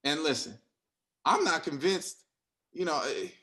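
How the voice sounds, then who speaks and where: A man's voice: fairly high pitch, very animated, a little slow, sharp tone. A man giving opinionated, casual sports commentary in a blunt, exasperated way, with short emphatic phrases. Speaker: sports talk panelist.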